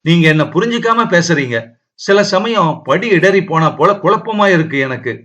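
A young wife pleads with her husband, earnest and reproachful, voiced by a man reading a novel aloud. The voice sits fairly high and stays close to a plain reading voice. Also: expressive, moderate pace, fairly bright tone. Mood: hurt, pleading. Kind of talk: audiobook character reading.

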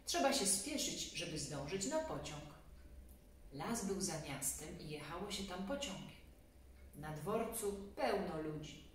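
A woman in her forties reading a children's story expressively, with casual asides to her young listeners. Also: on the low side. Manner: expressive, addresses children directly. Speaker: storybook reader. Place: small indoor room, seated on a sofa. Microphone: camera a few metres away. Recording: very echoey room, distant mic, faint noise.

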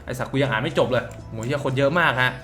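Man, gamer commentary, bright, forceful tone, foul-mouthed joking banter, reads game lines aloud. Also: medium pitch, racing, soft background music. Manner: crude, profane, joking banter. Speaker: mobile game reviewer. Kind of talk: casual let's-play commentary.

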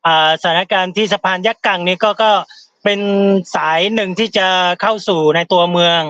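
High-voiced man on a muffled live call. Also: steady tone, brisk, sharp tone, clean tone, no room sound. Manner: urgent, appealing for help. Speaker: field reporter. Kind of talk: live phone-in news talk.

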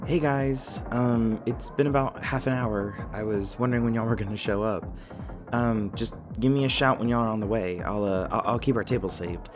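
A man's voice: fairly low pitch, moderate pace, music in the background, lightly acted. A man playing an anxious, nerdy young college student in an audio roleplay, rambling and stammering self-consciously. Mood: nervous, worried. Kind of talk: naturalistic audio roleplay acting.

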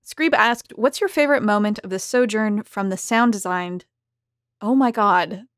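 A woman's voice: mid-range voice, normal speed, no room sound. Woman hosting casually, dry close sound. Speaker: host, moderator. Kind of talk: casual chat, reading out questions.

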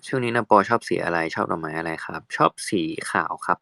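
Young male actor, low-pitched and unhurried, dry close phone sound, playful casual fan chat. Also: creaky, sharp tone, no echo. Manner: chatty, playful, switches into halting English.

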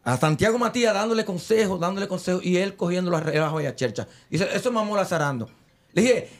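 A man giving emphatic, lecturing commentary into a desk microphone in a studio. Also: sits high. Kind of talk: opinionated commentary. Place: studio with red panels. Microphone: headset and desk mic.

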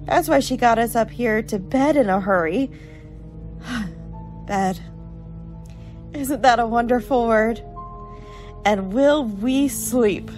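A woman playing a chatty, brisk college girl in a radio horror drama. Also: on the high side, a little mellow, soft background music. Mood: reassuring. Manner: chatty, colloquial.

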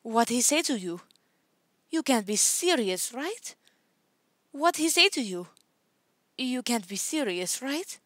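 A woman playing a caring young female sword swallower in an audition, soft and gentle in manner. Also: on the high side, big pitch swings, slow pace, pauses often, dry recording, full character voice. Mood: disbelieving.

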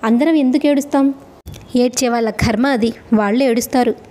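A woman's voice: on the high side, steady tone, fairly quick, dark tone, natural voice. A woman voicing a harsh, domineering new stepmother in a storybook reading, with a scornful, bossy manner.

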